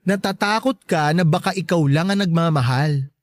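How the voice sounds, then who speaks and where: An actor playing a sassy, campy gay best friend in a Tagalog radio drama, teasing and bluntly caring, drawing out emphatic words. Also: male voice, on the high side, moderate pace, no echo, studio quality, lightly acted. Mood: blunt, encouraging.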